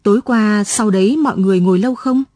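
A woman reading the lines of a kind male village teacher in a hushed, quick way. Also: mid-range voice, no room sound, clean studio sound, natural voice. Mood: gentle.

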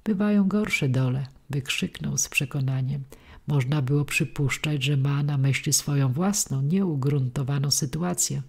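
A woman narrating a classic novel as an audiobook in a measured, literary manner, with a husky voice. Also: rumbling low, steady tone, darkish tone, a little hiss or hum.

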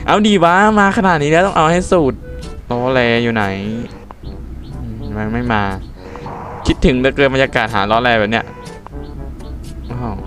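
A man's voice: mid-range voice, expressive, normal speed, long pauses, a bit bright. A man giving loose, casual commentary while playing a car game, talking to himself and swearing freely. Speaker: gaming YouTuber. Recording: game music playing under the voice.

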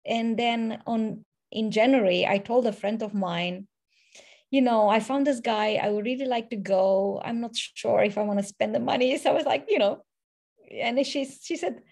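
A woman's voice: on the high side, darkish tone. Woman, native Romanian speaker, interview guest, chatty storytelling, repeats words, video call from home. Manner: chatty, repeats words, acts out quoted talk. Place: room at home, indoors.

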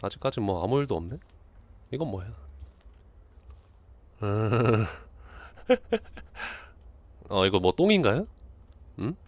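A man streaming a horror game, talking casually and jokingly to viewers and yelling in panic at times. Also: lowish voice, a little fast, long pauses, no echo. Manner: animated, jokey, shouts in panic.

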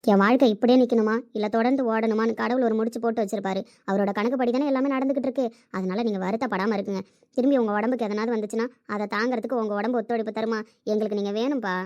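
A woman's voice: on the high side, fairly even intonation, racing, a little mellow, dry recording, lo-fi sound, natural voice. A young woman playing a self-sacrificing daughter who pleads with and reassures her father. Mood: pleading. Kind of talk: amateur family drama acting.

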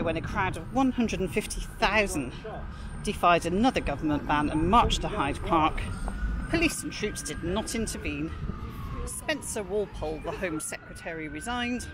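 A chatty woman narrates a walk through a city park, her voice rising and falling in a lively way. She speaks informally as she walks, into a camera mic. Traffic and street noise come through clearly behind her. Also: fairly low pitch, moderate pace. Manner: chatty, informal, reads out prices and history. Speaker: walking tour narrator. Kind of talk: chatty walking commentary. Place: outdoors in a large city park.

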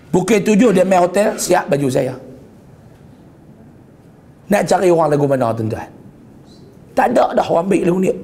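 Gravelly-voiced preacher. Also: male voice. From Malaysia. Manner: intimate storytelling, quoting dialogue with softer lowered voice. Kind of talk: storytelling religious lecture.

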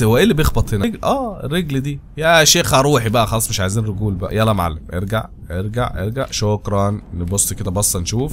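Rapid-fire Egyptian man narrating gameplay. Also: on the low side, slight background noise. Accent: Egyptian Arabic. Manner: chatty, pleads and jokes with game objects. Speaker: gaming channel host. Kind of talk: casual gameplay commentary.

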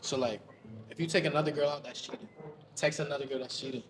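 A man in his twenties from Queens, a dating show contestant bantering in an animated, defensive way in a white studio. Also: mid-range voice, fast talker, background noise. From Queens, New York. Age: 20s. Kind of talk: casual chat.

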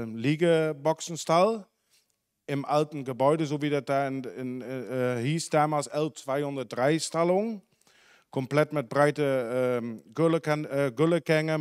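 A man in his forties from the Netherlands, a dairy farmer speaking German with a Dutch accent, giving a halting talk full of fillers and self-corrections into a handheld mic in a conference hall. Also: on the high side, a little mellow, clear, resonant tone, studio quality. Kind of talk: unscripted talk at a symposium. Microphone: handheld microphone.

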